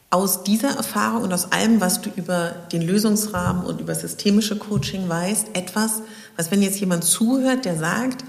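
Woman host, gravelly edge, attentive with long questions, roomy echo with long reverb. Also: medium pitch. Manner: attentive, many short backchannels, long winding questions. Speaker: coach, interview host. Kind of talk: conversational interview.

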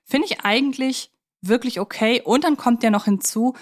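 A woman's voice: a little high, moderate pace. Conversational woman co-hosting a podcast. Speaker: podcast co-host. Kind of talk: casual film discussion.

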